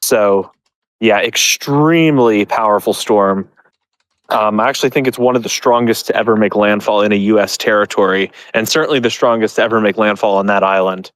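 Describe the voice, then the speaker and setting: A man on a live weather stream, giving storm figures in a measured way with ums. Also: on the low side, dry recording. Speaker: guest weather tracker.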